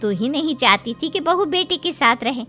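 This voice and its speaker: A woman's voice: high voice, animated, normal speed, bright, forceful tone, faint music behind. A woman voicing a cruel, gossiping middle-aged friend in a cartoon story, sly and gloating.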